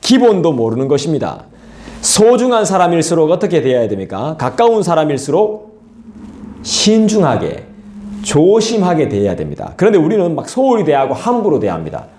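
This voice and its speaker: Animated pastor preaching in echoey hall. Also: male voice, on the high side. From South Korea. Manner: lively, colloquial, acts out scolding voices and asides to the congregation. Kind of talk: expository sermon. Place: church sanctuary.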